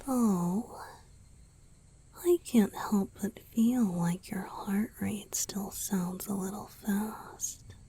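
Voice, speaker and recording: A woman voicing a gentle, teasing, affectionate young male vampire boyfriend in a breathy, intimate ASMR roleplay. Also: mid-range voice, fairly even intonation, slight background noise. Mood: softly teasing. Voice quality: breathy, mostly whispered. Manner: slow, intimate, soothing, softly teasing.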